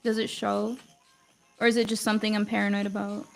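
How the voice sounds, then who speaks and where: A woman's voice: mid-range voice, flat delivery, fairly quick, gravelly, faint music behind, rough recording. A young woman, an art teacher with English as her second language, chatting casually and rambling with lots of "like" while she draws on a livestream. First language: not English. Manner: chatty, rambling, heavy use of "like". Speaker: art teacher streaming live.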